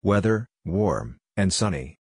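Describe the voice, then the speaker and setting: A man with a low, deep voice reads brief phrases for a code lesson, each a separate burst, often repeated. The sound is dry and close, with no room around it. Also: sing-song, slow, a little mellow, breathy edge, dry recording. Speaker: Morse code practice reader. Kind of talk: slow scripted reading of phrases.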